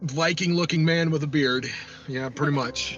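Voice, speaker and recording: A man's fairly high pitch with ordinary pitch variation, at a very slow pace, over music in the background. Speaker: streamer.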